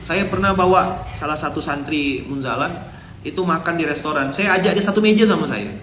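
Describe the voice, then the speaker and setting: Bright-voiced, fairly high male preacher, conversational storytelling, echoey room. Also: fairly quick, slight background noise. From Indonesia. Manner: chatty, storytelling, acts out dialogue. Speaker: ustadz preacher. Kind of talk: casual Islamic sermon. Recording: echoey room with faint ambience.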